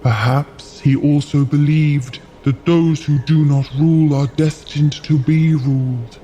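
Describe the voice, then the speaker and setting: A man playing a solemn, idealistic, weary frost giant in an audio drama, speaking in grave, measured storytelling. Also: a little high, fairly even intonation, dark tone, dull audio, a little hiss or hum, natural voice. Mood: somber, reflective. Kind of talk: scripted audio drama acting.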